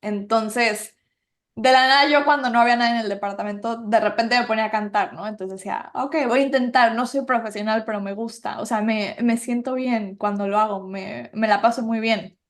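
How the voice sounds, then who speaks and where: A young woman with a Mexican Spanish accent talks as a podcast guest, animated and chatty. Her voice sits a bit high, and she leans on fillers as she tells her stories. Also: a little fast. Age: young adult. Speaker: guest actress. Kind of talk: casual podcast chat.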